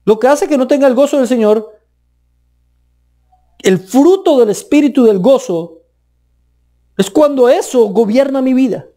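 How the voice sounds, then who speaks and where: A man with a Colombian accent preaching a sermon, emphatic, with pitch that rises and drops sharply for stress. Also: animated, a little slow, long pauses, dark tone.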